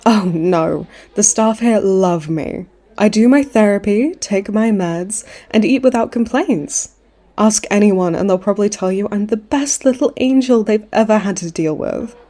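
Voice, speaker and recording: A woman's voice: mid-range voice, a little slow, warm tone, lightly acted. A woman playing a cheeky, smug supervillain in a comedy audio roleplay, with a breezy, teasing way of talking. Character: cocky, cheeky supervillain woman, a chummy hospital frequent flyer.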